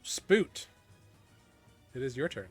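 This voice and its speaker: A man works as game master at a casual tabletop session. His voice is average in pitch, and he narrates in halting, improvised phrases. Soft music plays behind him. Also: no echo.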